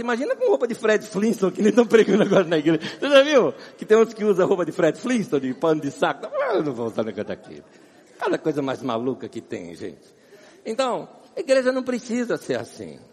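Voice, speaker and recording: A husky-voiced man with a Brazilian accent preaches in a large round church, his words ringing with a long hall reverb. His voice sits high and swings widely as he tells funny stories from the pulpit, animated and sweating. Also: brisk. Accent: Brazilian Portuguese. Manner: animated, laughing storyteller. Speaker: guest preacher. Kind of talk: humorous sermon storytelling.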